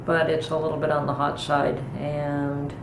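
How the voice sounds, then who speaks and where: A middle-aged woman hosting a homestead vlog, chatting calmly and thoughtfully from her home kitchen. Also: low-pitched. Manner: calm, unhurried, thoughtful with pauses. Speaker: homestead channel host. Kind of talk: casual kitchen vlog chat. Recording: echoey room with noticeable background noise.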